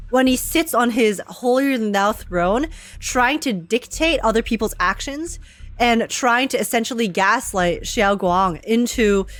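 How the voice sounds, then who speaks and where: A woman streamer reacting live to a video game with emphatic, sweary, informal commentary. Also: on the high side. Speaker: gaming streamer. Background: game music.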